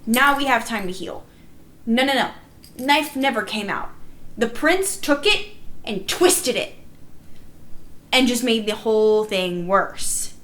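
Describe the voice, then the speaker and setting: A woman's voice: fairly high pitch, animated, slow, long pauses, a bit bright. A woman recounting events in a group discussion, speaking in an emphatic, indignant, storytelling way. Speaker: player recounting a live-action roleplay game. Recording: noticeable background noise.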